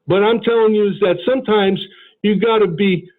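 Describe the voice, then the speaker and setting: A man's voice: sits high, steady tone, moderate pace. A man giving a motivational sales talk, telling stories earnestly and acting out the dialogue. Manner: earnest storytelling, acts out dialogue. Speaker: insurance sales mentor. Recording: tinny phone-like line.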